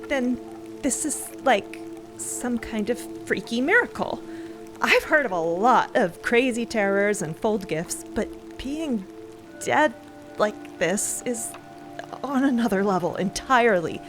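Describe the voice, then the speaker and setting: An expressive space explorer in an audio drama, her high voice swinging widely in pitch. She talks haltingly and slowly, with emotional, sarcastic bite. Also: over music. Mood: incredulous, searching. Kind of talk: dramatic audio fiction acting.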